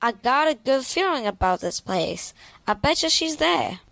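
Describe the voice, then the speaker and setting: A woman's voice: high voice, big pitch swings, measured pace, vocal fry, fairly bright tone, no room sound, full character voice. A woman playing a patient, encouraging young twin sister in an audio drama, colloquial and easygoing. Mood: earnest, hopeful.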